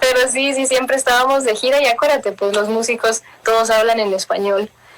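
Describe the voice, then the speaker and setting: Fairly quick pace and fairly even intonation at very even loudness, over noticeable background noise. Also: woman, high pitch for a woman. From Miami, with stays in Mexico. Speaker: singer-songwriter. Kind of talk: interview.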